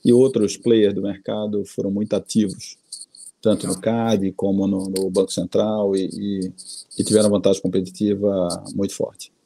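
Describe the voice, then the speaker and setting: Brazilian panelist, middle-aged man, low gravelly voice, halting, repeats himself. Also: flat delivery, mellow. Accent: Brazilian Portuguese. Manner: hesitant, repeats words, ends points with "tá?". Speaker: investor and board adviser. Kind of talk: panel discussion, conversational.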